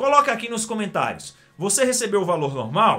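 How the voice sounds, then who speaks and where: A man speaks in a raised, projected voice, high-pitched for a man, with an animated tone. His intonation is lively, and faint music plays in the background. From Brazil. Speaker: YouTuber and lawyer explaining welfare benefits; YouTuber, lawyer explaining welfare benefits. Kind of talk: explainer video monologue. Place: home room.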